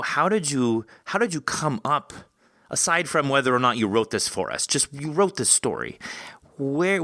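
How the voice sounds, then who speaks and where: Bright, close-miked male podcast host. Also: on the low side, dry recording. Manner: rambling, enthusiastic, long questions. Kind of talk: casual interview chat about fiction.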